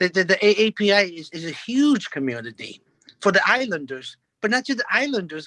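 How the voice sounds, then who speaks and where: Someone speaks with a Vietnamese accent at a moderate pace. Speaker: community leader. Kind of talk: panel discussion question. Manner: halting, many repetitions.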